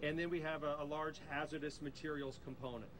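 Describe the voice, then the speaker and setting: A man talks at a fairly quick pace with fairly even intonation against noticeable background noise. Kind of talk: press briefing statement. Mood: serious, measured. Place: street.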